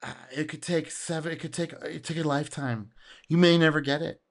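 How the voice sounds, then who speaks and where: Animated, slightly hoarse man reacting. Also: on the high side, fairly quick. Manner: animated, exclaims and laughs, acts out customer quotes. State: getting hoarse. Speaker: host reacting to a video. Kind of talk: casual reaction commentary.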